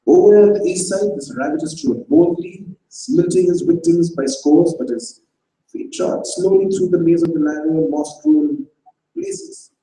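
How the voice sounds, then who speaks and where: A man reads a classic short story aloud for a live audience, pacing it steadily. His voice is dark and mellow with a wide, lively pitch. The sound is distant and echoey, as from a hall. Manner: measured storytelling delivery. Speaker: reader. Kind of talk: dramatized story reading. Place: festival auditorium stage.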